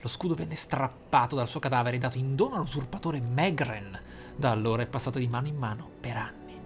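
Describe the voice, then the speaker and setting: A man commentating his game playthrough, thinking aloud in a deliberate, theatrical way with dramatic pauses. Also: medium pitch. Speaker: gaming YouTuber, player. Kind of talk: game playthrough commentary with role-play musing. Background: game music.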